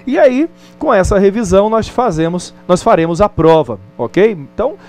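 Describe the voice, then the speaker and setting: A Brazilian male teacher giving a recorded distance-learning lesson. He talks in a light, fairly high voice and keeps a friendly, conversational pace. He often stops to check in with the listener. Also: animated, moderate pace, darkish tone, soft background music. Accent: Brazilian Portuguese.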